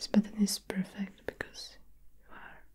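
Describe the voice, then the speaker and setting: A woman is whispering. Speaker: ASMR creator. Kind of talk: soft-spoken ASMR role-play. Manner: soft, close-mic ASMR murmur.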